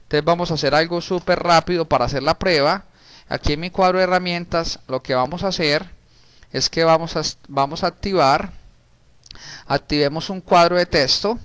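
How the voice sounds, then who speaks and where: Male instructor, 30s, easygoing classroom delivery, slightly high voice, clean dry close sound. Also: a bit bright, smooth, no echo. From Colombia. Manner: casual, talks while typing, frequent restarts and diminutives. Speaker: programming teacher. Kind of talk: recorded screen-share coding lesson.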